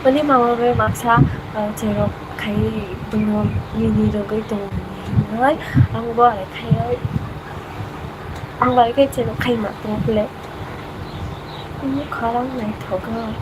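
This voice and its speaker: A woman's voice: on the high side, fairly even intonation, moderate pace, long pauses, heavy background noise. A young woman from Bangladesh, a vlogger chatting casually on a live stream, answering viewer comments and laughing often.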